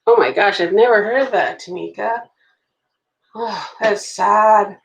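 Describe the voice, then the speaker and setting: A woman's voice: medium pitch, takes it slowly, creaky, roomy sound. A woman in her late thirties chatting loosely with her viewers while journaling at home, reacting to their comments as she goes. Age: late 30s. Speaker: planner vlogger. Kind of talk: rambling live chat while journaling.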